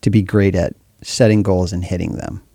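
A man with a bassy voice casually hosting a talk show in a candid, self-deprecating way. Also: flat delivery, normal speed, mellow, no room sound, clean studio sound. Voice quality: bass-heavy voice. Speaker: podcast host.

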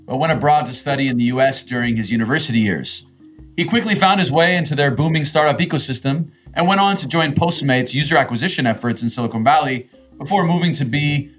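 A man's voice: mid-range voice, a bit bright. A man co-hosting a podcast, reading a polished introduction of the guest and asking questions. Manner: polished, read-aloud introduction. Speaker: podcast co-host. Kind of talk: scripted intro then interview questions.

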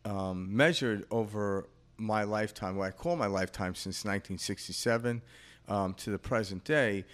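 A man's voice: lowish voice, moderate pace, fairly bright tone. A man in his fifties co-hosting a podcast, talking in a rambling, reflective way with lots of fillers and easy laughter. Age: 50s. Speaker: podcast co-host. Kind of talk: casual spiritual chat.

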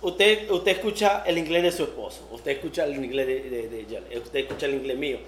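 A US-born woman hosts a casual podcast interview, frequently repeating words and laughing easily. Her voice rumbles low and moves briskly. The room is echoey, with faint noise.

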